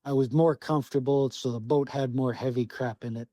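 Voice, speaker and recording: A man's voice: medium pitch, steady tone, brisk, warm tone, no room sound. A man from Southwest Alaska, a podcast guest telling a hunting story in casual, profane storytelling, acting out his own thoughts. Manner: salty, swears freely, acts out his own thoughts.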